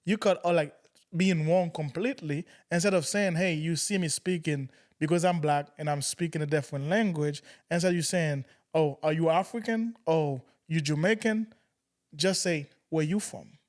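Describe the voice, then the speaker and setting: A young man from Haiti co-hosting a podcast, his voice a little higher than most men's. He talks loosely and casually, with frequent fillers. He tells stories in a conversational way. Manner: loose, fast storytelling with fillers like "you know what I mean". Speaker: podcast co-host. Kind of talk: casual chat.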